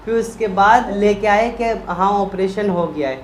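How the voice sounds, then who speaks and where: A man talks casually to camera, animated and emotional, acting out the people in his story. The room rings with echo, and a faint ambient hum sits underneath. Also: high voice, a little slow. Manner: emotional, animated retelling with quoted voices. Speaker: vlogger, husband.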